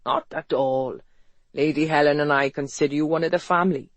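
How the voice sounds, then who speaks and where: A narrator voicing a dry, amused Welsh businessman with a Welsh accent, speaking low and frankly. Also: steady tone, a little fast, no echo, lightly acted.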